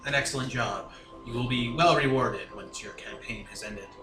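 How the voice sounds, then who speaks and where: A man playing a courteous, scheming villainous lord in a tabletop game, speaking formally and deliberately. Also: mid-range voice, far from the mic, natural voice. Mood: pleased, scheming. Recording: echoey room with music behind.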